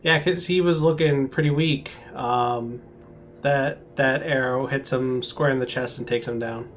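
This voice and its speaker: A man's voice: medium pitch, steady tone, unhurried. A man acting as game master, casually narrating a tabletop game to his players.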